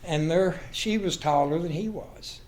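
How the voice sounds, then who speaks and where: Older man, higher-pitched voice. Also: a little slow, a crowd in the background. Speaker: guest storyteller. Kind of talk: folksy anecdotal storytelling.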